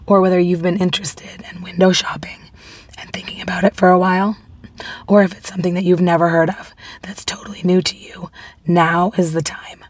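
A woman has lost her voice and speaks in a breathy, husky whisper. She talks from a parked car and holds the phone close, and the sound is dry and close. Her tone is low and friendly as she addresses viewers. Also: a little mellow, no echo. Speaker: prepping vlogger. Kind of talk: casual vlog to camera. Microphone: phone camera at arm's length.

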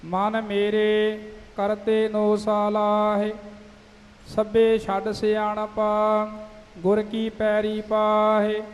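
A man reciting scripture in a steady sing-song chant, line by line, with faint music behind him. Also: high voice, drawn-out words, long reverb tail.

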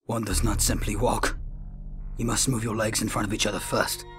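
A man's voice: fairly low pitch, flat delivery, moderate pace, pitched below the performer's own voice, close to an everyday voice. A man voicing a pompous, absurdly grave fantasy sage in a comedic parody. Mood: solemn. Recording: loud music under the voice.

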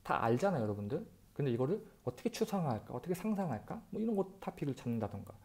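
A man in his thirties, a channel host, gives casual advice to camera in an animated way, using rhetorical questions and speaking into an earphone mic in a bright room. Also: fairly high pitch, racing. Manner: animated, gestures a lot, talks directly to viewers with rhetorical questions. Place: bright room by a window, indoors. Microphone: wired earphone mic.

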